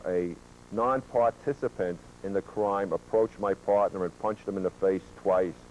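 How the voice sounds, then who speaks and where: Low, mellow man on worn VHS tape. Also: highs cut off. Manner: measured, reads out statistics with occasional fillers. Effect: worn VHS tape copy with hum. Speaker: police officer presenting research. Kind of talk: training lecture presentation.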